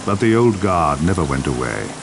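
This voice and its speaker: Game narrator, low voice, grave, measured, portentous, dramatic scripted delivery, prominent music behind. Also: male voice, big pitch swings, gravelly, full character voice. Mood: grave, ominous. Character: grave male narrator of a dystopian future war.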